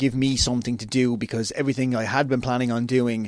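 A man with a Waterford accent speaks in a dark, mellow tone. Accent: Waterford Irish. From Ireland, Waterford. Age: 30s. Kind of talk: monologue intro; casual interview chat. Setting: remote call.

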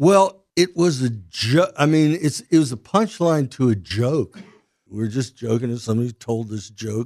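In an American accent, a man with an unremarkable speaking voice, medium pitch and lively intonation speaks at a moderate pace. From Ohio. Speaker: country songwriter. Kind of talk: interview storytelling.

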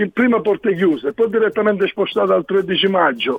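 This is a man speaking. His pitch is high. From Sicily (Pozzallo). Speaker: caller. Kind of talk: phone-in call. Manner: halting.

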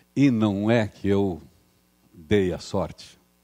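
His voice sits fairly low. The tone comes across dark and mellow. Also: very clean recording, silent background. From Brazil, São Paulo east zone. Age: 60s. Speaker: broadcaster. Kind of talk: inspirational talk to an audience.

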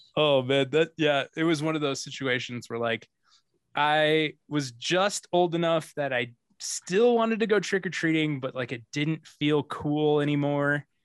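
A man with an American accent and a plain, everyday voice speaks at a fairly slow pace, fairly high in pitch with ordinary pitch variation, in a dry, close sound with no echo and a quiet background. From Colorado. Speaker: podcast host and touring musician. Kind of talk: casual chat.

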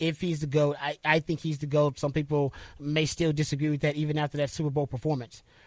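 On a very clean recording with a silent background, a man with an ordinary speaking voice talks fairly quickly at a fairly high pitch. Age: 30s. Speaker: sports radio host, former NFL player. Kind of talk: sports talk radio. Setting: radio studio.

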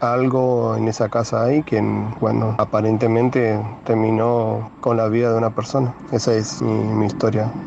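Noticeable background noise sits behind a man who speaks at a fairly slow pace, his monotone, flat delivery holding very even loudness. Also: medium pitch for a man. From Argentina, Corrientes countryside. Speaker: listener sending a story. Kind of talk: recorded personal story.

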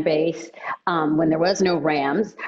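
At a fairly slow pace and fairly low pitch, a woman speaks in a monotone, flat intonation against noticeable background noise. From Pittsburgh. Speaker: sports broadcaster. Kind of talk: radio sports talk.

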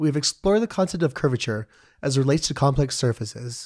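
Very clean recording, silent background, a man with a fairly high pitch and a somewhat breathy voice. He talks at a fairly quick pace with lively intonation. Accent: American. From US Southwest, Albuquerque, New Mexico. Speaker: math podcast host. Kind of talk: casual educational chat; scripted narration. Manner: halting, many fillers.

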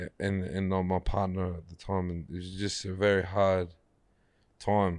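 A man with a very deep, low pitch speaks in a flat monotone at a moderate pace, his loudness swinging widely against a quiet background. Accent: Australian. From Western Sydney, Australia. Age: 20s. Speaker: MMA fighter. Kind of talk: casual interview.

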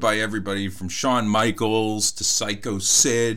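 Speaking in a Boston accent, a man talks at a fairly slow pace with a medium pitch. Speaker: wrestling podcast host. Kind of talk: solo podcast commentary.

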